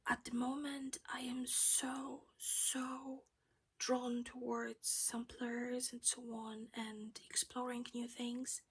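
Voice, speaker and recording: A woman's voice: fairly high pitch, little pitch movement, takes it slowly, breathy edge. A woman whispering her way through a casual cross-stitch project chat at home while losing her voice.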